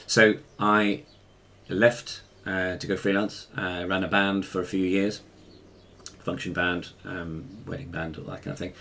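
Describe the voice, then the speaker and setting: A man's voice: deep voice, sharp tone. A man in his fifties with an English RP accent, telling personal stories conversationally in a hesitant, self-correcting way. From Africa and Ireland, later England. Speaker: interview guest, musician and choir director.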